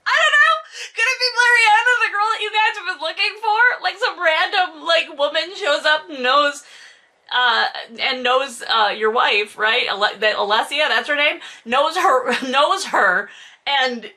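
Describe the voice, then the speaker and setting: With a high-sitting voice, she speaks at a measured pace, sounding pushed and bright. As host reading a novel and critiquing it, she gives casual, comedic remarks full of exasperation, sarcasm, swearing, and exaggeration.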